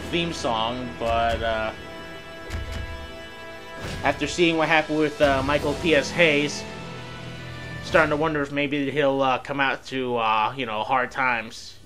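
A man casually commenting over a wrestling video game, excitable, laughing often and swearing. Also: on the high side. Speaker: gameplay video host. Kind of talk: casual let's-play commentary. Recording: voice over loud game music.

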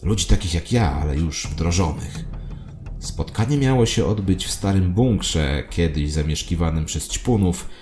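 A low, deep male voice of an actor as a paranoid, self-important conspiracy believer. He narrates his tale in the first person with solemn theatrical weight, like an audio drama, over clearly audible music. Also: expressive, measured pace, darkish tone. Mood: conspiratorial, solemn.

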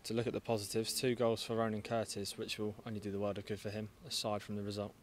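A man working as a club media interviewer, asking brisk, direct post-match questions outdoors at a night stadium. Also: on the low side, completely flat delivery, a little hiss or hum.

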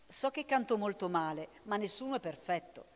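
A big black harbor tomcat, voiced by a woman reader, earnest and persistent, from a storybook. His voice sits at a middle pitch for a woman. The voice rings in a hall with long reverb. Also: expressive, moderate pace, lightly acted. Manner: pleading, earnest.

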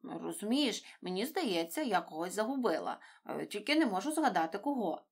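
A woman's voice: mid-range voice, moderate pace, breathy edge. A woman voicing a forgetful, kind female fish in a storybook reading, talking in a scatterbrained way. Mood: vague. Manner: scatterbrained, hesitant then lively.

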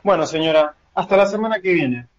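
A woman acts out a courteous, hesitant Argentine man come to collect a debt in a radio play. The voice is low, on a muffled recording. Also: lively intonation, a little fast, close to an everyday voice. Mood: hesitant, polite. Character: reluctant, polite male debt collector. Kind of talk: school radio play acting. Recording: dull lo-fi home recording.

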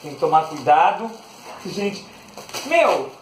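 A man's voice: fairly high pitch, sing-song, slow, far from the mic. Coaxing man in an echoey room. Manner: coaxing, talks sweetly to his dog, often laughing. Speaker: channel host. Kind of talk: casual unboxing vlog. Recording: echoey room, voice off the mic, faint noise.

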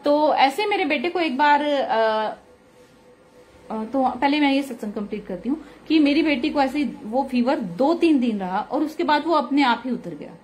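A woman in her thirties with a slightly hoarse throat, telling a devotional testimony in an earnest, chatty way with many fillers, recorded at home on a phone close to her face. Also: high voice, animated, normal speed, darkish tone, soft background music. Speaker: satsang speaker. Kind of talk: devotional singing then testimony talk.

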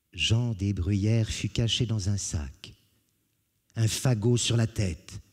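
A man giving an expressive live literary reading in a large auditorium, moving theatrically between hushed and loud passages. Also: mid-range voice, breathy edge. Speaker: reader.

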